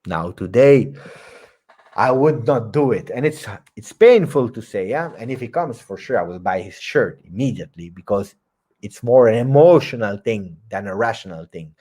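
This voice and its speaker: A man's voice: on the low side, animated, moderate pace, mellow. A man hosting a live post-match football reaction stream, talking emphatically and reading viewer comments aloud. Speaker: football channel host.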